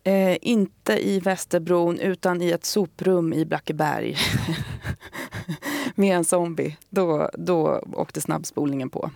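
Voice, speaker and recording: A woman's voice: lowish voice, vocal fry, darkish tone, dry recording. A woman talking casually on the radio as a guest recommending a book, hesitant, with many fillers and restarts.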